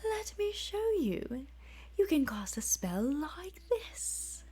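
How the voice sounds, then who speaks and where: A woman voicing a cold, mocking male Dremora demon with a put-on British accent, speaking softly and half-whispered. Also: sits high, big pitch swings, slow, pitched above the performer's own voice, heavily acted. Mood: coaxing.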